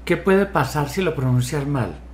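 A man's voice: fairly high pitch, lively intonation, normal speed, a little hiss or hum. Direct, questioning man on a roomy video call. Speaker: hypnotherapist. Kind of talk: online therapy session. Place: home study with bookshelves.

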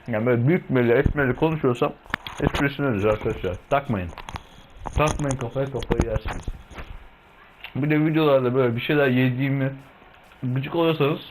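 A man's voice: medium pitch, a little hiss or hum, low-quality recording. A young man hosting a casual gameplay video, rambling and swearing freely as he eats while he talks. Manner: chatty and rambling, munching food while talking, swears freely. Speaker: gaming video host.

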